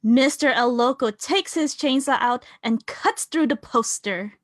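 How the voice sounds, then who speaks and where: A woman's voice: high voice, unhurried, dry recording, clean studio sound. A woman narrating, reading scripted stage directions aloud.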